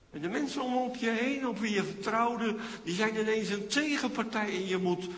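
Slow-preaching pastor in echoey church. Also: male voice, high-pitched, a bit bright. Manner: addresses the congregation directly, rhetorical tag questions. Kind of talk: sermon. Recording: echoey church hall with reverb.

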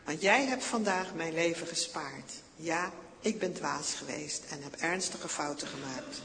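A man's voice: fairly high pitch, measured pace, long reverb tail, background noise. A man voicing the aging King Saul, speaking with regret in a fatherly way. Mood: remorseful. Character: old King Saul, remorseful.

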